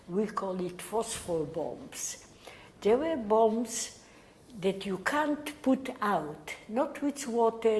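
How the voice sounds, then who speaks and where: An elderly woman from Poland, giving Holocaust survivor testimony in a halting, unhurried way that sometimes sinks to a near whisper. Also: mid-range voice, dark tone, rough recording. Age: older. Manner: slow, halting, drops to a near whisper at times. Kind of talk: recorded oral history interview.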